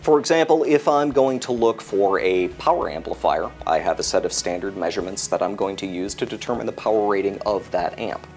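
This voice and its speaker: A man's voice: lowish voice, animated, fairly quick, hardly any pauses, darkish tone, faint music behind. A middle-aged American man giving a methodical, emphatic technical explanation as a product expert. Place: indoor product display set.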